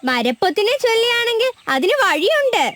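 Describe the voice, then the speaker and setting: A cheerful young cartoon animal child with an extremely high voice. The delivery swoops in a lively way, eager to help. Music plays underneath. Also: fairly quick. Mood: friendly, helpful. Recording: music bed behind the voice.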